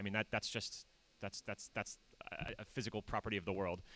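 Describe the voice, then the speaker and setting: The voice is bright and sharp, moving at a very fast pace with fairly even intonation. The sound is dry and close, with no echo. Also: man. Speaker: discussion leader on blockchain governance. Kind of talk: open panel discussion. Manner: halting, many fillers.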